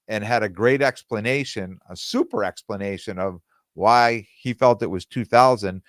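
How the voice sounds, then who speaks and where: A man hosting his own podcast in casual, rambling talk, with plenty of fillers and restarts, and his voice going hoarse. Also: fairly low pitch, no room sound, studio quality. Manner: quotes other people in dialogue. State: losing his voice. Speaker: podcast host.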